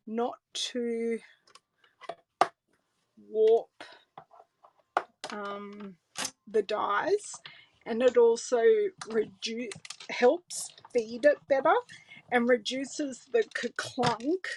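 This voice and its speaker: A woman's voice: fairly high pitch, very slow, long pauses, slight background noise, rough recording. A middle-aged Australian woman demonstrating card making on a live stream, chatting casually and thinking aloud as she works. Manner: chatty, relaxed, thinks aloud while working. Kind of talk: live craft tutorial with viewer greetings. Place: home craft room, indoors. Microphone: overhead camera setup, hands on desk.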